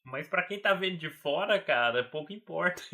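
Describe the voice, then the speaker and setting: A man with a Brazilian Portuguese accent co-hosts a podcast in casual chat, rambling, laughing often, and leaning on fillers like "cara" and "entendeu". His high voice is animated, bright, and forceful, at a measured pace.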